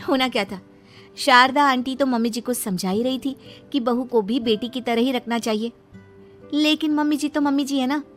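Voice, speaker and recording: A woman voicing a gentle young daughter-in-law who speaks softly and earnestly in a cartoon story. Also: sits high, normal speed, faint music behind, voice pushed up, natural voice. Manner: soft, earnest, polite.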